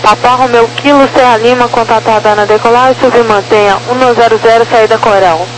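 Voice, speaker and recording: Controller, Brazilian accent, androgynous voice. Terse procedural calls over crackly, military-style radio with clear background hum. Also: mid-range voice, steady tone, brisk. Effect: radio transmission. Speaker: air traffic controller. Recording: crackly, humming aviation radio.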